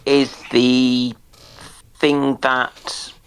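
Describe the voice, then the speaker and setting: A man explaining things in a casual discussion, halting and careful as he searches for his words. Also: mid-range voice, level tone, slight background noise.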